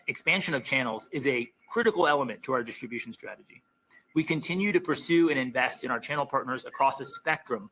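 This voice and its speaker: A bright, crisp-edged man's voice at a middle pitch presents prepared company remarks. He sounds like a formal executive on an investor call, forceful and emphatic in his phrasing. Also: a little hiss or hum, low-quality recording.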